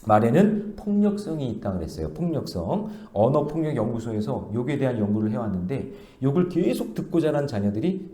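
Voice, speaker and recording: Male pastor preaching, swings up and down a lot, mellow tone, echoey church hall. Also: medium pitch. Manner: animated storytelling with rhetorical questions to the congregation. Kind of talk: sermon at a Friday prayer meeting. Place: church sanctuary.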